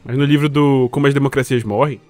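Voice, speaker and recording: A man's voice: mid-range voice, fairly even intonation, fast talker, darkish tone, soft background music. A man co-hosting a casual podcast, laid-back and dry in his replies. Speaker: podcast co-host.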